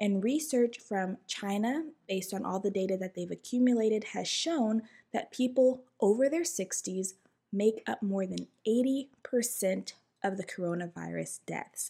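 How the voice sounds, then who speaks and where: A woman's fairly high, dark, mellow voice with lively intonation on a very clean recording with a silent background. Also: moderate pace. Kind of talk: informational monologue.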